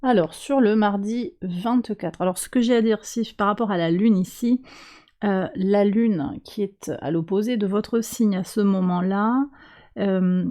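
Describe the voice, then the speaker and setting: Female card reader and host, slightly congested from a cold, gentle and measured, often pausing to search for words. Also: mid-range voice. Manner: calm, slow, hesitant with many fillers. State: has a cold. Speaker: tarot and astrology reader, channel host. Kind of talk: weekly card reading for viewers.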